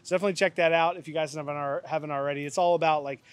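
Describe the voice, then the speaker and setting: A man's voice: fairly high pitch, fairly even intonation, rapid-fire, smooth, dry recording. Chatty bearded man filming outdoors. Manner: chatty, upbeat, loose with fillers. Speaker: channel host. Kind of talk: casual vlog chat and outro. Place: outdoors in a yard by an old camper.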